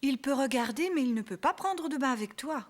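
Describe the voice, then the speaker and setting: A woman playing a gentle, patient young mother in a children's cartoon dub. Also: high-pitched, expressive, a little fast. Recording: music behind the dialogue.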